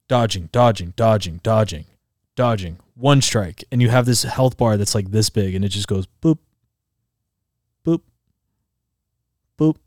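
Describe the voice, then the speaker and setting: A man's voice: lowish voice, dry recording, clean studio sound. A man in his twenties on a casual podcast, telling stories with lots of "like" and "bro" and acting out game sounds. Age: 20s. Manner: animated storyteller, acts out game sounds, heavy filler "like" and "bro". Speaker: podcast co-host. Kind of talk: casual chat.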